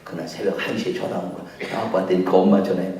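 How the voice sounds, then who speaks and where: A male pastor preaching a sermon and telling stories, jumping between loud high acted voices and low quiet asides. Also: little pitch movement, quick pace. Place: church sanctuary. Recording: echoey church hall, mic at a distance.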